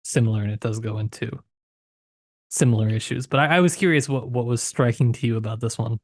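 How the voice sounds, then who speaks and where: A man's voice: mid-range voice, brisk, no room sound, studio quality. A man speaking casually as a co-host in a podcast discussion.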